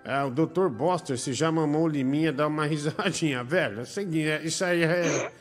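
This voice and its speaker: Man, live-stream host, crude jokes, slightly high voice, music behind. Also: fairly quick. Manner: profane, jokey, reads messages aloud.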